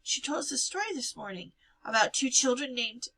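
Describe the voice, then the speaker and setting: A woman's voice: sits high, lively intonation, fairly quick, bright, forceful tone, pitched above the performer's own voice, heavily acted. A woman voicing an earnest, slightly squeamish young woman in a storybook reading. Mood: eager, uneasy.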